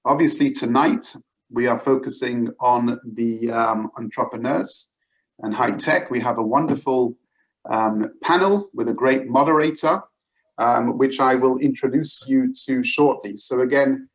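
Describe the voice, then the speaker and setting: Gravelly male event host. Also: mid-range voice, poor audio. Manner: halting, filler-heavy. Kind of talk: formal event welcome.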